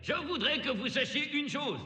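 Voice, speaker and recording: An actor playing a big male wrestler who blusters but fears trolls, in a French cartoon dub, with a gravelly, shouty voice. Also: extremely high pitch, lively intonation, normal speed, reverberant, big-room sound, music in the background. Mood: aggrieved.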